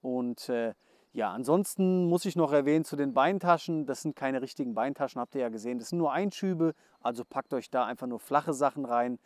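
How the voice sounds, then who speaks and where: A young man giving a casual outdoor gear review, chatty and hurried, with many hesitation fillers. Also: medium pitch, darkish tone, no echo. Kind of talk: casual product review, voice-over then to camera. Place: outdoors at dusk.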